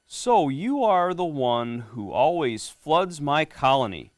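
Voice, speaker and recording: A man voicing a cool, stern queen ant in a picture book read aloud to children, in a calm, measured way. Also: a little high, no room sound, studio quality. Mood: scolding.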